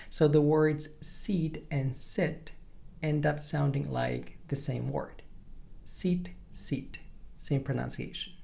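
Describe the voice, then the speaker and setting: Guy teaching english pronunciation, native spanish speaker, takes it real slow, bit of gravel in the voice. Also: fairly high pitch, a little mellow. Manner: deliberate, careful enunciation of examples. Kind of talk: instructional explanation to camera.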